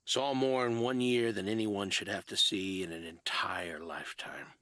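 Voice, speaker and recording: Gruff old fisherman, taciturn and patient, game role; forceful tone, dry close recording. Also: on the low side, steady tone, moderate pace, dry recording. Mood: wistful, weary. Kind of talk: video game voice acting.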